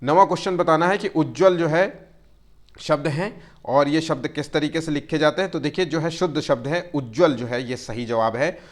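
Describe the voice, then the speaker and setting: Male grammar tutor, fairly high voice, habitual fillers, stretches words slowly to spell them out, keeps reminding students to take care. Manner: tells students to take care and keeps checking "theek hai". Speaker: teacher. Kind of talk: exam-prep Hindi grammar lesson.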